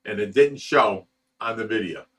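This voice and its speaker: A man's voice: fairly low pitch, moderate pace, fairly bright tone, husky, distant mic. A man in his sixties hosting a casual livestream, reading viewer comments and telling rambling stories with plenty of swearing and laughter. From Ohio, USA. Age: 60s. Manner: rambling storyteller, swears freely and laughs often. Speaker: fish rescue host.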